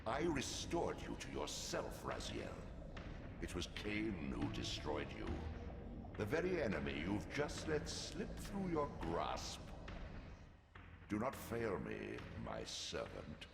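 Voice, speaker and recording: A man's voice: low-pitched, wildly swooping pitch, takes it slowly, vocal fry, full character voice. A man voicing an ancient, domineering god-creature in a gothic video game, pompous and menacing, in cavernous reverb. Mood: stern, reproachful. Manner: pompous, commanding, formal. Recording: long echoing reverb under loud music.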